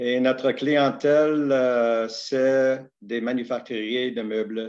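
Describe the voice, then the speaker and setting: Very slow male speech at a medium pitch, monotone with flat intonation. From Montreal, moved from New York at eight. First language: English (speaking French). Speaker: business owner. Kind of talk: interview. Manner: halting.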